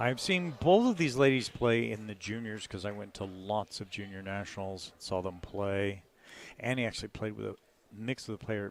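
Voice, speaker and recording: With a fairly low pitch, a man speaks at a moderate pace with big swings in loudness on a very clean recording with a silent background. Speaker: racquetball commentator. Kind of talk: live commentary. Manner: softer voice; casual, conversational.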